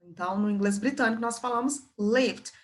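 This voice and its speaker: A Brazilian woman teaching English vocabulary at a patient pace, with a voice sitting a little higher than most. She repeats key words and keeps checking in with her learners as she explains. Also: fairly quick. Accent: Brazilian Portuguese.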